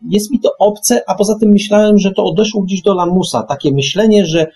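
A man's voice: high-pitched, brisk, dark tone, slightly rough, soft background music. A man hosting a radio discussion, speaking emphatically and often restarting and repeating his phrases. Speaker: radio show host.

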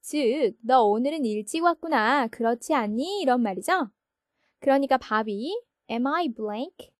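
Slow, high-voiced woman teaching grammar. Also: expressive, dry recording, studio quality. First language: Korean. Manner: patient, step-by-step explaining. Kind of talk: recorded lesson explaining a textbook.

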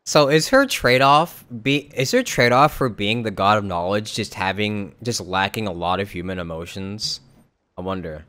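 Low-voiced young man streaming casually. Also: expressive, bright, forceful tone, clean tone. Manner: informal, slangy, halting. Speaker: game streamer. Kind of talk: casual live game commentary.

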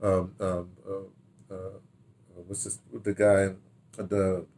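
An American man in his sixties, a radio drama director, casually reminisces about his history in a rambling, halting manner, repeating words and adding animated asides. His voice sits low, and he's recorded indoors in a small home study.

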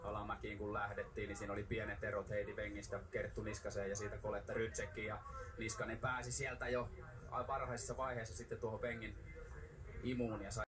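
A man giving measured expert analysis as co-commentator on a ski race. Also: fairly low pitch, little pitch movement, a crowd in the background. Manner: measured, explanatory. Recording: distant, noisy TV broadcast capture.

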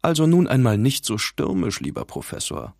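A man's voice: medium pitch, huge pitch swings, normal speed, gravelly, a little mellow, no room sound, clean studio sound, pitched above the performer's own voice, heavily acted. A man doing a smug, mocking rival. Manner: taunting, with mock surprise. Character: smug, mocking male rival, a vain show-off.

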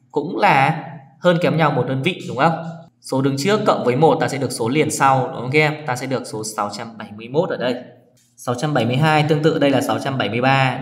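A man's voice: medium pitch, fairly bright tone. A man teaching a children's math lesson, counting patiently step by step and often checking in with his pupils.

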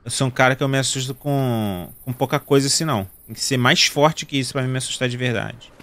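Here a thirtysomething Brazilian gaming host, Carioca accent and all, keeps up slangy, joking chatter with his viewers over casual gameplay. His voice sits mid-range, fairly quick and a bit bright.

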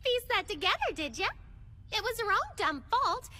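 Bubbly sorority-girl villainess, Valley Girl accent, extremely high and wildly swooping, mocking cartoon diva. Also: sing-song, moderate pace, heavy background noise. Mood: scornful glee. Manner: bubbly sorority-girl drawl, gleefully sarcastic, exaggerated. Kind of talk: animated series English dub acting. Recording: loud music under the dialogue.

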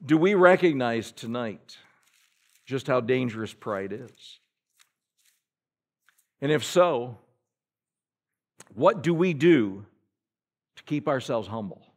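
Animated preaching man, swinging volume. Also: mid-range voice, slow pace, pauses often. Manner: preaching with rhetorical questions and dramatic swings in loudness; reads scripture aloud in King James wording. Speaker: pastor. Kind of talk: sermon. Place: church sanctuary.

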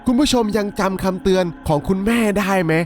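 A man's voice: high voice, quick pace, soft background music. A man narrating a horror story in a casual, conversational way, talking directly to viewers.

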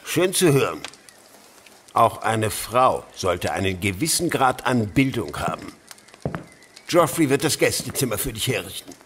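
A man's voice: lowish voice, sing-song, unhurried, fairly bright tone, a little hiss or hum. A man playing a stern, pompous Victorian uncle. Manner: pompous, commanding, strict. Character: stern, cold-hearted, pious Victorian uncle and guardian. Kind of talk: German audio drama acting.

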